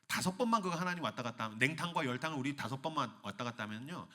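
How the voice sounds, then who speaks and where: Male preacher, animated delivery, playful, bright voice, church hall. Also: mid-range voice, rapid-fire. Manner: animated, playful, acts out scenes. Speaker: youth retreat preacher. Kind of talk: sermon.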